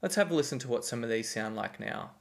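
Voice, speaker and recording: A man's voice: mid-range voice, animated, fast talker, gravelly, slight background noise. A man giving scripted, step-by-step instructional narration as a tutorial instructor.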